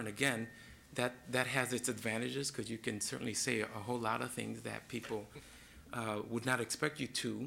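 With a Spanish accent, a man speaks at a moderate pace and medium pitch in a bright, sharp tone with vocal fry and monotone, flat intonation. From US Midwest, inner-city Chicago. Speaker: school board candidate, educator and former pastor. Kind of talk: interview answers at public board meeting. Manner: halting, many fillers.

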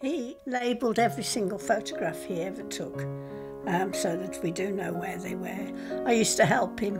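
A woman at a moderate pace, with clear music playing behind her. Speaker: interviewee recalling family history. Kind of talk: interview answer. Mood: warm, nostalgic. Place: home room.

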